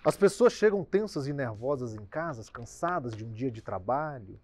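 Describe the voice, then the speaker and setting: A Brazilian man, a doctor, explaining habits in an emphatic talk that swings from loud bursts to quiet endings. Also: medium pitch, lively intonation, normal speed. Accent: Brazilian Portuguese.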